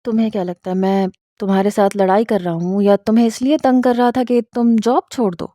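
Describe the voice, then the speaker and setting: A woman's voice: medium pitch, steady tone, mellow, no echo, clean studio sound, close to an everyday voice. A woman reading the lines of a persistent young man in love, with a playful, coaxing manner. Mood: teasing.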